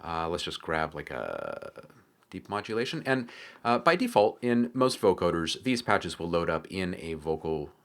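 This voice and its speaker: A man hosting a casual software tutorial, explaining things informally with frequent hesitations. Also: sits low, wildly swooping pitch, normal speed, creaky. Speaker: tutorial host.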